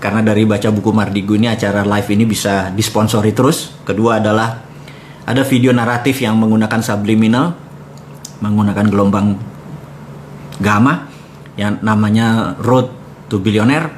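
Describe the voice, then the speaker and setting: A man's voice: lowish voice, moderate pace, a little hiss or hum. A man hosting a live talk, telling stories in a casual way and mixing English phrases into his speech. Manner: mixes English phrases into speech, animated when quoting.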